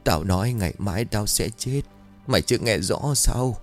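A cold, possessed young man, as a male storyteller puts him on, murmuring low and quiet with a threatening edge. The voice stays hushed and slow, drained of warmth, sinister in a spoken horror tale. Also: expressive, soft background music, lightly acted. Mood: menacing.

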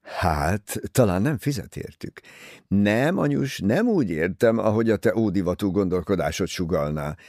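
A man voicing a teasing, easygoing young English gentleman talking with his mother in an audiobook. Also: on the low side, sing-song, dry recording, clean studio sound. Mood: wry teasing. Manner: wry, teasing.

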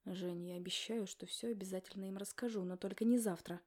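A woman's voice: medium pitch, steady tone, fairly quick, darkish tone, lightly acted. Give me a woman voicing a guilty, pleading husband. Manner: pleading, insistent. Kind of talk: audiobook character voice.

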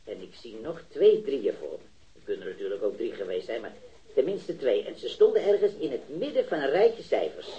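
A man's voice: medium pitch, big pitch swings, mellow, dull audio, close to an everyday voice. An actor playing a hesitant male eyewitness in his thirties who stammers and repeats himself, in a radio drama. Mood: unsure, rambling. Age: 30s. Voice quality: halting, stammering, repeats words. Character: hesitant male metal worker, early thirties, eager eyewitness. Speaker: eyewitness to a robbery. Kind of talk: 1970s radio drama acting.

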